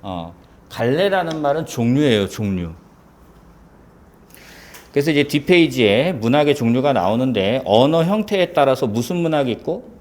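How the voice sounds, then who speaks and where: A man lecturing on Korean grammar and literature for exam candidates, with a fairly high voice that swings widely in pitch. He keeps stopping to check that his listeners are following. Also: slight background noise. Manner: lively, asks many rhetorical check questions. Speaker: civil service exam Korean teacher. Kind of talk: classroom lecture.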